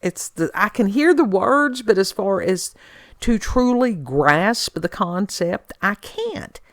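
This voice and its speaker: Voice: mid-range voice, lively intonation, takes it slowly, a bit bright, no echo, clean studio sound. A podcast co-host chatting casually, rambling and changing direction mid-sentence. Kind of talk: casual conversational chat.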